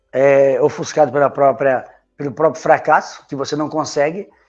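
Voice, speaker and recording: Music plays in the background as a man with a fairly high pitch talks at a moderate pace. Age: 60s. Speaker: ufology channel host. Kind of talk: heated rant. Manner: animated.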